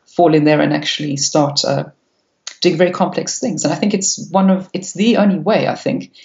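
Woman guest from South Africa, gravelly voice, flat delivery, many ums, echoey lo-fi room. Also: sits low, moderate pace. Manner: hesitant, many fillers, enthusiastic. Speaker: podcast guest. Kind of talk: technical interview answers. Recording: echoey room, dull lo-fi sound.

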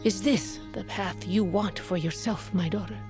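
An actress playing a fierce, aging tribal queen and mother in an audio drama, speaking in a grave, measured way and sometimes coughing from sickness. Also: music in the background, close to an everyday voice. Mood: weary tender. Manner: grave, measured, low storytelling delivery. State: sickly, coughing.

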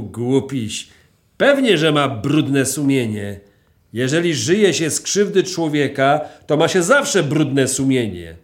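An actor playing a stern, embittered socialist miner in a radio play, preaching emphatically. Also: male voice, mid-range voice, slightly rough.

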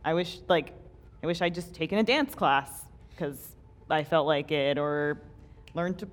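A woman's voice: deep voice, measured pace. A woman in her thirties co-hosting a live podcast, chatting in a loose, self-deprecating way with many fillers. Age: 30s. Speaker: podcast co-host. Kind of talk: casual chat before a live audience.

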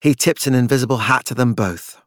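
A man reading a literary story as an audiobook narrator, measured and dramatic in his delivery. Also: mid-range voice, dry recording, clean studio sound.

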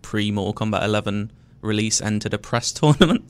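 A man's voice: fairly low pitch, brisk, clear, resonant tone. A British man on a gaming podcast panel, telling self-deprecating anecdotes. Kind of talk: casual panel chat.

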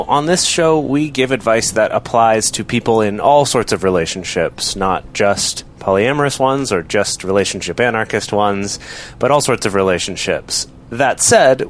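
A man co-hosting a relationship podcast, explaining ideas in a relaxed, thinking-aloud way. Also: on the low side, slight background noise. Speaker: podcast co-host. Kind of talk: casual chat.

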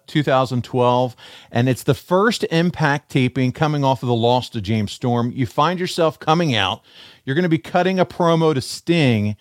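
A man's voice: mid-range voice, no room sound. Upbeat male podcast host, dry studio sound. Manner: upbeat, encouraging. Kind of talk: conversational interview.

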